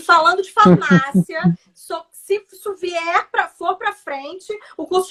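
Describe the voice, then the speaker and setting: Raised and projected, a woman's extremely high voice comes across animated, with a bright, sharp tone. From Brazil. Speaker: university pharmacy professor. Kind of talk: casual live stream interview. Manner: fast.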